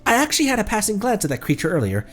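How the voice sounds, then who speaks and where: A man's voice: high voice, huge pitch swings, rapid-fire, a bit bright, pitched above the performer's own voice, heavily acted. An earnest young scholar who explains things patiently and at length, as a man reads him out. His voice moves animatedly over a wide range, and faint music plays underneath. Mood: explaining.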